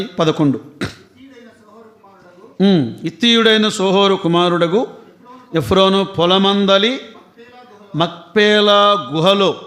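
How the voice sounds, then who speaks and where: A man's voice: high-pitched, a bit bright. A man teaching a Bible lesson in sermon style, earnest and questioning, with quoted asides. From southern India.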